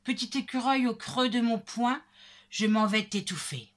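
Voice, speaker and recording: A woman's voice: a little high, measured pace, natural voice. A woman voicing a big, blustering, angry woodcutter in a storybook, bellowing threats and exclamations. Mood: vengeful threatening.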